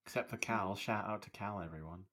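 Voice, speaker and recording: A man in casual chat, teasing in a dry, mock-serious way, with other voices loud around him. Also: fairly low pitch, a little fast, a loud crowd.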